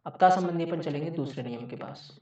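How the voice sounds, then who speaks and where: A man giving an exam-prep grammar lecture. He repeats each point and keeps checking in with a quick "okay". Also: a little high, warm tone. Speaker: teacher. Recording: echoey, distant, dull mic.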